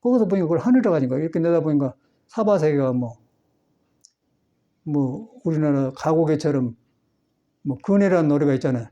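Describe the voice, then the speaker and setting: A man's voice: fairly high pitch, animated, brisk, long pauses, mellow, lo-fi sound. A man, a Buddhist monk, giving a folksy Sunday dharma talk in a temple hall, chatty and meandering with frequent chuckles. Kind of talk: folksy sermon.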